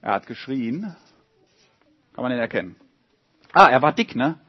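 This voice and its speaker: A man reading a story aloud to a group of children and drawing pictures along with it, in a lively, animated way. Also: mid-range voice, moderate pace, breathy edge, no room sound, highs cut off.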